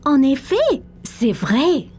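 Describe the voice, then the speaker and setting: A gentle loving mom. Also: female voice, high-pitched, wildly swooping pitch, drawn-out words, heavily acted. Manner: soft, encouraging, explaining. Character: patient loving mother. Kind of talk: French-dubbed cartoon acting.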